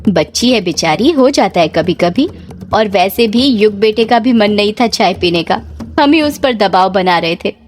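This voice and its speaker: A woman voicing a gentle motherly aunt. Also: medium pitch, animated, moderate pace, soft background music, natural voice. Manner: soothing, persuasive.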